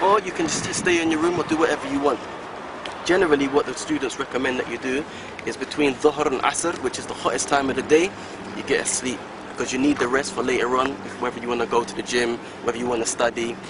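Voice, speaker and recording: A young man, a student, casually explaining a daily routine to viewers in an advisory tone with frequent "you know," outdoors. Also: mid-range voice. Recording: outdoor traffic noise.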